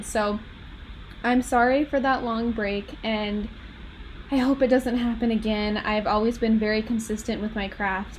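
In poor audio with noticeable background noise, a young woman hosts her podcast with a rambling, candid and chatty monologue full of self-deprecation. She has a Minnesotan American accent, and her voice sits on the high side.

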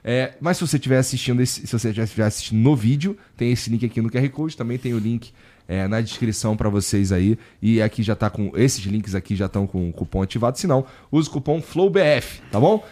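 A man's voice: medium pitch, quick pace, mellow. Informal Brazilian man hosting a podcast. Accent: Brazilian Portuguese. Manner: informal, slangy. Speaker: podcast host. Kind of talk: casual chat.

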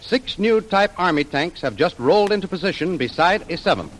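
A man's voice: high voice, expressive, a little fast, slight background noise, low-quality recording. A man narrating scene changes dramatically in a 1930s radio serial.

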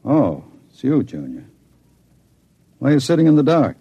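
A sly, coaxing crook. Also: male voice, medium pitch, wildly swooping pitch, moderate pace, gravelly, breathy edge, heavily acted. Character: scheming adult male crook named Duke. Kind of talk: 1950s radio drama acting. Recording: dull old radio broadcast with music.

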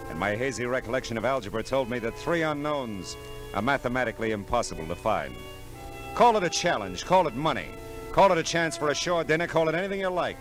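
An actor playing a wry, hard-boiled private eye with an American accent, narrating in terse, deadpan 1940s radio noir style. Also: male voice, mid-range voice, quick pace, natural voice. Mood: wry, matter-of-fact. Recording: old radio broadcast with music behind.

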